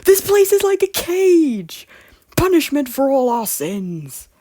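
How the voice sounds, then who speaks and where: Woman voicing despairing young king, mellow husky tone, cynical, brooding, wounded, dry close sound, audio drama. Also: high-pitched, big pitch swings, takes it slowly, no echo, full character voice. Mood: anguished outburst. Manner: brooding, swings between muted and outbursts. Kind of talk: audio drama acting of a Shakespeare-style story.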